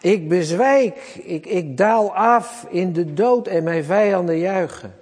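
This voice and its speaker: Man doing a pleading biblical king, anguished, repeated cries, high voice, slow, long reverb. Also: a little mellow, breathy edge, full character voice. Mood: desperate. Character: desperate pleading biblical king crying to God.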